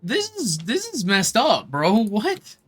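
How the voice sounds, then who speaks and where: A streamer giving casual live gameplay commentary in an informal, expressive way, with plenty of swearing. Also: mid-range voice, slow pace. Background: game music.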